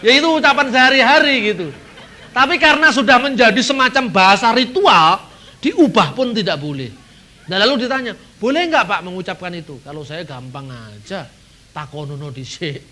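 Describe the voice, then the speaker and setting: Middle-aged guy at a seminar, bright high voice, acts out little dialogues. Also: moderate pace. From Indonesia. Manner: animated, acts out dialogues, chuckles. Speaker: seminar speaker. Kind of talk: lively seminar talk with Q&A.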